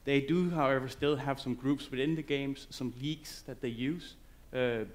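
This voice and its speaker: Male conference speaker, English, loose and halting on stage. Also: medium pitch. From Denmark. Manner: loose, halting delivery with many fillers and restarts. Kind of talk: conference presentation.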